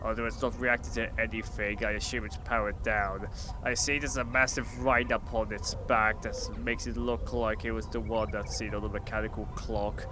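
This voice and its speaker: An actor playing a blunt, sarcastic and exasperated flying hero in an audio drama. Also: male voice, lowish voice, flat delivery, normal speed, noisy background, close to an everyday voice. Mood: musing, incredulous. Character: exasperated sweary flying hero, stranger from Earth. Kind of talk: scripted audio drama acting.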